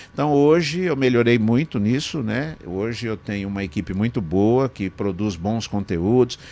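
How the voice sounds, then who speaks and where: Against a quiet background, a man uses an ordinary speaking voice at a moderate pace and medium pitch, with lively intonation and hardly any pauses. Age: 60s. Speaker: state legislator. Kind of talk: interview conversation. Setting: podcast studio.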